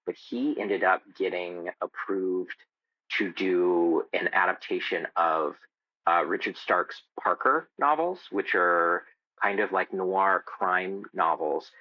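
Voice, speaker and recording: A man talking as a podcast guest in a casual, explanatory way, halting as he thinks aloud. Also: low-pitched, no echo, highs cut off. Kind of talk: casual interview chat.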